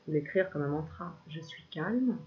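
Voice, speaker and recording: A woman's voice: sits low, animated, normal speed. Chatty woman doing a card reading. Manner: chatty, laughs often, addresses viewer familiarly. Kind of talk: casual card-reading video. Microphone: self-filmed camera. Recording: slightly dull lo-fi sound, faint hiss.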